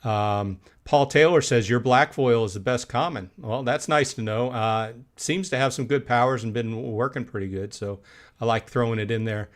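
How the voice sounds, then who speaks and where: A middle-aged streamer hosts a laid-back broadcast, reading viewer chat aloud with lots of pauses and filler words. He clears his throat from time to time, and his voice sits at medium pitch.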